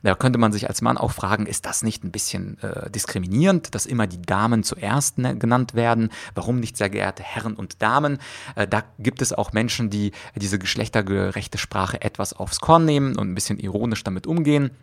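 Gravelly man. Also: fairly low pitch, brisk. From Russia. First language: Russian. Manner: thoughtful, many hesitations with "äh". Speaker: podcast host. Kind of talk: explanatory podcast monologue.

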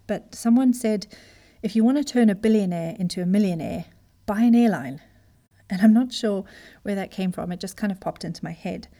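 Woman, from Zimbabwe, business coach, mellow voice, emphatic, motivational talk. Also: mid-range voice. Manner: earnest, emphatic, direct address.

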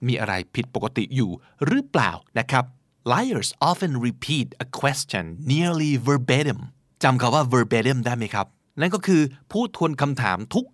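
A male podcast host talks through examples at an unhurried pace, his pitch swinging up and down as he plays out little scenes. The recording is close and dry. He sounds casual and playful as he explains. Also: dry recording. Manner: lively, teaching English words with playful acted examples.

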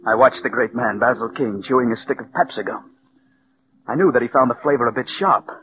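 An actor playing a calm, scheming writer who narrates his own murder plot in a 1940s radio drama. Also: mid-range voice, slight background noise, lightly acted. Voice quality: measured, cool narration. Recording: dull old radio broadcast recording.

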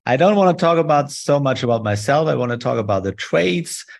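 Over a video call, a German man speaking English as a second language, with a German accent, hosts a live online trading session. He talks through charts in a friendly, halting way full of fillers, his medium-pitched voice creaky yet lively in intonation.

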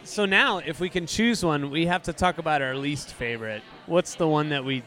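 High-voiced man hosting a jokey podcast. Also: normal speed, pushed and bright. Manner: upbeat, jokey, asks questions. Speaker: podcast host. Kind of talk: casual chat.

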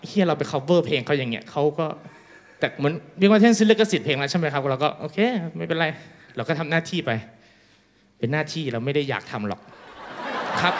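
A man telling a crude, self-mocking stand-up story, acting out the dialogue. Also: on the high side. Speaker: stand-up comedian. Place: small live venue with audience.

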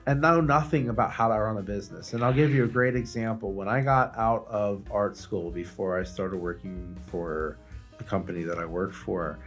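A man's voice: fairly low pitch, moderate pace, soft background music. A man co-hosting a podcast, chatting casually and telling anecdotes with some swearing. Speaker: podcast co-host.

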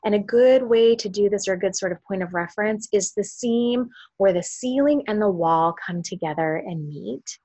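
A woman hypnotherapist guiding a relaxation induction in a soothing, lulling manner, her phrases trailing off softly toward a whisper. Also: medium pitch, dry recording. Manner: slow, drawn-out, lulling delivery with pauses.

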